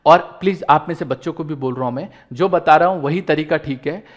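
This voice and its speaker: A man's voice: a little high, brisk. A man teaching accounts in an online lecture, earnest and encouraging, pleading with students and fellow teachers as he explains each step. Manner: earnest, pleading and encouraging, mixing English terms into Hindi.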